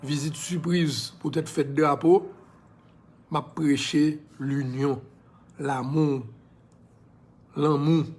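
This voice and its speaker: Impassioned Haitian man, higher voice. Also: fairly even intonation, very slow, pauses often, darkish tone. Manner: impassioned, preachy, slips into English phrases. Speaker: social media personality. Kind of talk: casual live video monologue.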